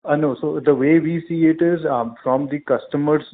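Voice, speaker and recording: A man with an Indian accent answering questions as a company executive on an earnings call, in a measured, hesitant, formal corporate way. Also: on the high side, fairly even intonation. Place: conference call. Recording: narrow phone line with clear noise.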